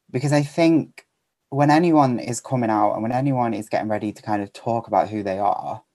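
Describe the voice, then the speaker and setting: As a guest on a podcast, a man talks in a relaxed interview style, telling stories animatedly and sprinkling in lots of "like" and "kind of." His voice sits on the low side, and there's no room sound.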